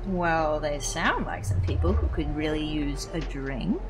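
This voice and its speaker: A woman playing a brisk, sardonic director in charge, in a sci-fi audio drama. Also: deep voice, expressive, noisy background. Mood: sardonic, irritated. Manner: sardonic, no-nonsense.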